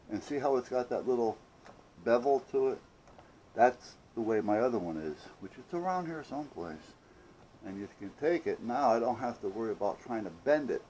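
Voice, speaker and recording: A man's voice: fairly low pitch, a little mellow, a little hiss or hum, low-quality recording. A man chatting casually through a hands-on workshop project, rambling and muttering to himself with playful asides. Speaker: hobbyist maker hosting own workshop videos.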